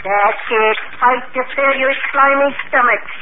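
Shrill cranky old keeper, very high voice, tinny noisy old radio drama. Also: male voice, steady tone, a little slow. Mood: spiteful. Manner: shrill, spiteful muttering. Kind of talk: 1950s radio drama acting.

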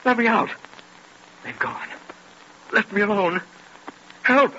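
An actor playing a terrified prisoner in a 1930s radio drama, desperately screaming in panic. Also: male voice, high voice, slow pace, bright, forceful tone, slight background noise, exaggerated voice. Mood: terrified, frantic. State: frantic, screaming. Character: terrified male prisoner shrieking to be let out. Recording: thin, dull 1930s radio recording.

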